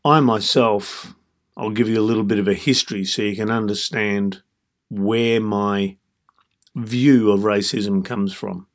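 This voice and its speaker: A man in his fifties with an Australian accent, hosting a reflective solo podcast in a measured, deliberate way, breaking his thoughts into short phrases. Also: lowish voice, steady tone. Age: 50s. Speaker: podcast host.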